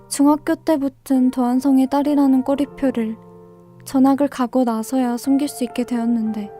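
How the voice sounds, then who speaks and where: A woman's voice: high-pitched, dark tone. A woman playing a guarded, earnest young female student in a radio drama, speaking and narrating a little hesitantly. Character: guarded, soft-natured young female student with a hidden past. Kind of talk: radio drama dialogue and first-person narration.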